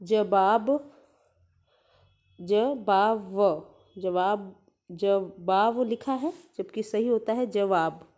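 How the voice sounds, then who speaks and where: A woman's voice: medium pitch, fairly even intonation, drawn-out words, a little mellow. A woman teacher giving a grammar lesson to young children, patiently repeating each word aloud and explaining letters and vowel signs step by step.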